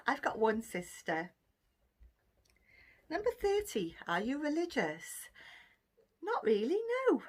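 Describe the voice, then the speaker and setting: A middle-aged woman with a Welsh accent, talking casually to her viewers. Her pitch rises and falls a lot as she goes, and she fills pauses with ums and breaks into laughter often. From Cardiff, Wales. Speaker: vlogger. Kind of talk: casual chat answering a question tag.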